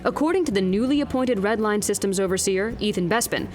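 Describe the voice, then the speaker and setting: A woman playing a wry, exasperated field news reporter in an audio drama, speaking in a crisp, pointed broadcast style. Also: medium pitch, animated, fast, a little mellow, faint music behind, lightly acted. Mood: patient, informative.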